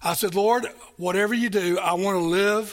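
Speaking fairly slowly, a man with an American accent has a high pitch. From US South, Kingsport, East Tennessee. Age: 70s. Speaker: pastor. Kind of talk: sermon. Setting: church.

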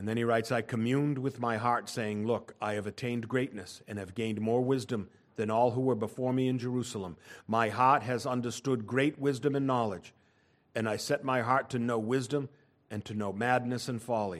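Heard on a very clean recording with a silent background, a man with a plain, everyday voice speaks at a moderate pace, medium pitch and fairly even intonation. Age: 60s. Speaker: pastor. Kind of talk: sermon. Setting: church.

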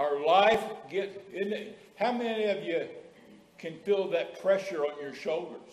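Noticeable background noise behind a man's high-pitched voice, fairly slow pace, long, frequent pauses, and ordinary pitch variation. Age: 70s. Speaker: lay preacher. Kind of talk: sermon. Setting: church.

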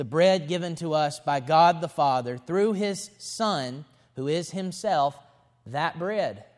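In a Southern US accent, a man with a fairly high pitch speaks at a very slow pace with lively intonation, recorded very cleanly against a silent background. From US South, Alabama. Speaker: pastor. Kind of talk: sermon. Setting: church.

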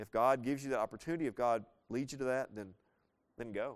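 A man speaks with a Southern US accent at medium pitch. His pace is very fast. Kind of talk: sermon.

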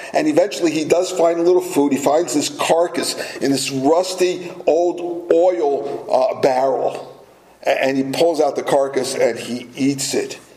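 A man's high-pitched voice at a fairly slow pace, with hardly any pauses, ordinary pitch variation and noticeable background noise. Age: 50s. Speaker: pastor. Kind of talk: sermon. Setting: church.

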